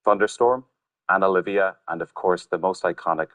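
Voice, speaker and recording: Deep-voiced enthusiastic male dancer. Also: moderate pace, a bit bright. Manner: enthusiastic, promotional. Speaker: dancer in a touring dance show. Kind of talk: promotional TV interview. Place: TV studio.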